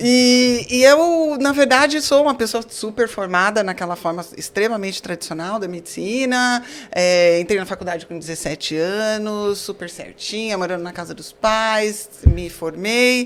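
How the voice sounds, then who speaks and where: Using a plain, everyday voice, a woman talks at a fairly slow pace with lively intonation, hardly any pauses and big swings in loudness. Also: fairly high pitch for a woman. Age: 40s. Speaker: physician. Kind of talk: podcast interview.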